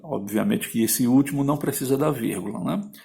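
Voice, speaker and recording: A man's voice: mid-range voice, fairly quick, gravelly, dark tone, breathy edge. A man teaching a grammar lesson, explaining patiently and often checking in with his listeners.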